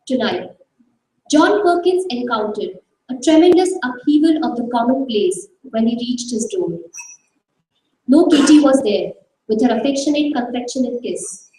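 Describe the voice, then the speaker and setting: Woman, story reader, measured and expressive, high voice, very echoey hall. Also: far from the mic, slight background noise. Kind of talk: dramatized literary reading. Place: live arts festival stage.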